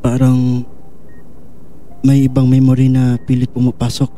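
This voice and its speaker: A man's voice: medium pitch, completely flat delivery, unhurried, dark tone, close to an everyday voice. Man playing a troubled, confused young man. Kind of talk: Filipino audio drama acting.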